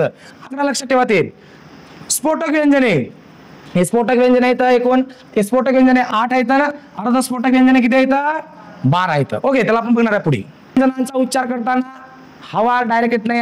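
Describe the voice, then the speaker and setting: A man with a Marathi accent teaching a grammar lesson, asking the class questions and answering them himself, and spelling out sounds one at a time. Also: very high-pitched.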